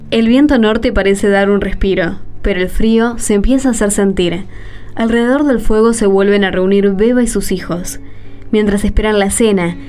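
A woman's voice: mid-range voice, a little mellow. A woman with an Argentine accent delivering scripted narration as the narrator of a radio drama. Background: music.

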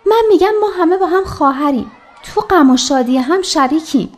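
A woman playing a loud warm-hearted friend. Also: high-pitched, lively intonation. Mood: earnest. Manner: loud, emphatic. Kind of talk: radio drama acting.

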